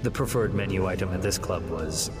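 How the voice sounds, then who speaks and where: An actor playing a smooth-talking demon who works as a defense lawyer, telling his story in a theatrical, wry way for an audio drama. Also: low voice, a little fast, close to an everyday voice. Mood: wry, sardonic. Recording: reverberant hall, music underneath.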